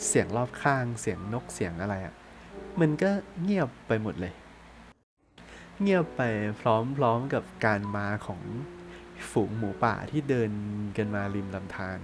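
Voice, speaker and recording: Man, casual spooky storytelling, hushed at tense moments, faint music behind. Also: medium pitch. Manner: lively, drops to hushed tones for suspense. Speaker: podcast storyteller. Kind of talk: casual ghost story narration.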